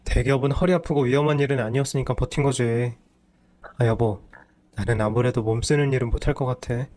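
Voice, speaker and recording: A man's voice: mid-range voice, steady tone, fairly quick, a little mellow, close to an everyday voice. Man doing a whiny, lazy husband. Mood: defensive. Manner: whiny, defensive. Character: lazy, self-pitying unemployed husband.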